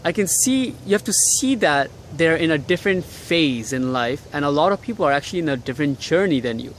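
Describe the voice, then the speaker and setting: A man's voice: on the high side, animated, brisk, slight background noise. A young man from Bangladesh vlogging outdoors on a cold day, talking bluntly and swearing freely as he gives motivational advice. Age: young adult. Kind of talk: casual motivational vlog. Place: outdoors in cold city air.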